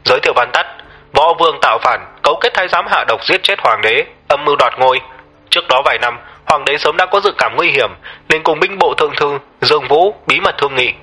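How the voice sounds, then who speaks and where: Cold impersonal male system voice, played by a man, bright and husky, for an audio story. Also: a little high, full character voice. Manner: flat announcing, cold and impersonal.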